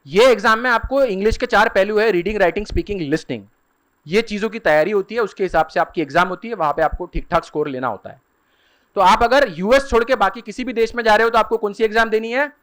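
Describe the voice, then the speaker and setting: High-voiced man giving a seminar talk. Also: a bit bright. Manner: explanatory, repeats key terms slowly. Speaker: career guidance speaker. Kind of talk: lecture at a seminar. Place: seminar hall.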